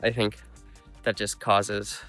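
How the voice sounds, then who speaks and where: A man's voice: on the low side, level tone, takes it slowly, fairly bright tone, soft background music. A man with a stuffed-up, congested nose giving a casual vlog recap of a run, rambling with lots of ums and likes. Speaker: running vlogger.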